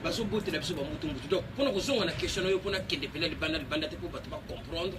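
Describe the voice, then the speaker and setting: Halting male guest, distant mic, noisy background. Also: fairly high pitch. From Congo. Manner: earnest, hesitant, halting with many fillers. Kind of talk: casual conversation.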